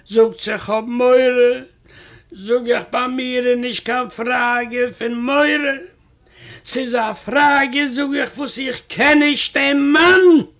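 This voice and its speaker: A man's voice: very high-pitched, fairly even intonation, takes it slowly, a bit bright. A man reading a comic first-person story aloud, in a wry, chatty manner that keeps coming back to "I say". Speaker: reader of a humorous story.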